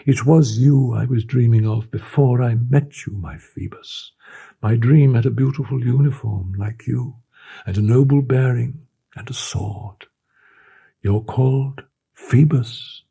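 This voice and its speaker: A man voicing a young gypsy girl who is lovestruck and pleading, shifting between hushed whispers and urgent cries. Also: on the low side, gravelly, husky, voice pushed up, heavily acted. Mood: tender. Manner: tender, imploring, swings between whispers and cries. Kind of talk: audiobook character voice.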